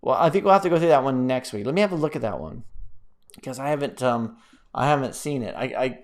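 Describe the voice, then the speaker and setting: A man hosting a casual live stream, chatting in a rambling, playful, animated way as he reads out and answers viewer comments. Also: mid-range voice, quick pace. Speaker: live-stream host, app developer.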